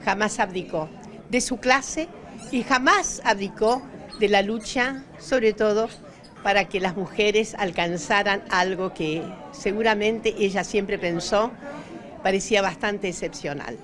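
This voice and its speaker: A woman's voice: medium pitch, unhurried, fairly bright tone. A woman answering an interview in an oratorical manner with ornate phrasing. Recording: busy crowd behind.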